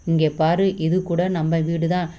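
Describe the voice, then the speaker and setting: Woman reading as a tender, guilty young husband in a storybook, low mellow voice, slightly dull recording. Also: little pitch movement, measured pace. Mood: pleading. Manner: pleading, soft, affectionate.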